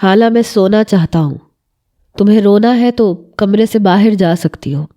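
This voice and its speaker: A young newly married husband in a romantic storybook reading, possessive yet tender, curt when angry and coaxing when he softens, as a woman reads his lines. The tone is very dark and mellow, and the pitch sits at an ordinary middle level. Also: lightly acted.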